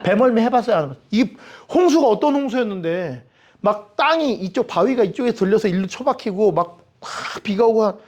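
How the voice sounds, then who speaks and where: A man's voice: high voice, brisk. A man teaching a Bible study with humor, asking the audience questions and acting out the people he quotes. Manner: lively, humorous, acts out quoted voices.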